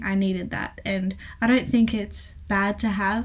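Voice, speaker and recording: The woman's voice sits at a medium pitch and sounds somewhat breathy. Her intonation stays fairly even. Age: young. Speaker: podcast host and amateur bodybuilder. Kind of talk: casual solo podcast chat.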